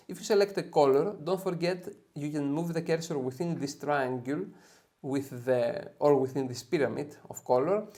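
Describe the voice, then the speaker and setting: A man's voice: fairly high pitch, a little mellow. A man with a Greek accent, from Greece, hosting an upbeat photo editing tutorial and often checking in with "okay?". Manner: upbeat, tags sentences with "okay?". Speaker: software tutorial host. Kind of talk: screen-share editing tutorial.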